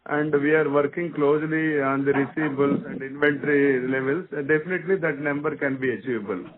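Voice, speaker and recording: Higher-voiced Indian finance man on phone. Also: fairly even intonation, brisk, phone-quality sound, a crowd in the background. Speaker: company finance executive. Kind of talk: answering investor questions.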